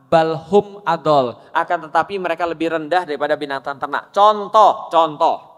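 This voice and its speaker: High-voiced male preacher in an echoey hall. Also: a bit bright. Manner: quizzes the audience with rapid questions. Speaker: Islamic preacher. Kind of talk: sermon to a women's gathering.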